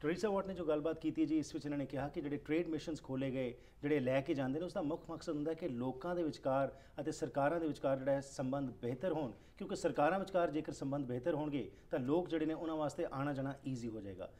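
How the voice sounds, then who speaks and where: A man's voice: fairly high pitch, warm tone. A man hosting an interview show, asking long questions and eagerly affirming his guest. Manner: rapid, eager, many affirming backchannels. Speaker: talk show host. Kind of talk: interview questions and bilingual recap.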